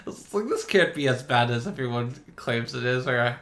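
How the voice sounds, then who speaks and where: A man with a bright, crisp-edged voice at a middling pitch co-hosts a casual gaming podcast. He explains things loosely and tentatively, hedging as he talks. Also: expressive, normal speed, slight background noise. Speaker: podcast co-host.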